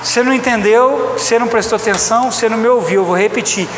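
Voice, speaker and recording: A Brazilian preacher talks fast in a very high-pitched voice, speaking to the congregation directly and driving his points home through emphatic repetition. Loud background noise and the echo of a church hall fill the recording.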